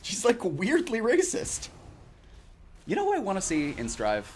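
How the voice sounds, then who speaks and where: A man's voice: high-pitched, wildly swooping pitch, measured pace. A man in casual voice chat while gaming, joking and teasing. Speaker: gamer chatting while playing.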